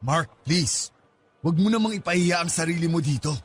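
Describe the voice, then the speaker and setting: Pleading father, slightly high voice, a man acting. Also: expressive, normal speed, slight background noise, close to an everyday voice. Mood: pleading, shocked. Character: embarrassed pleading middle-aged father. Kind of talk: Tagalog radio drama acting.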